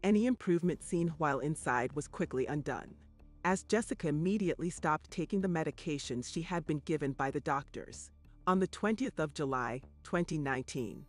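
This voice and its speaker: A man reading scripted true crime documentary narration in a grave, measured way. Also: a little high.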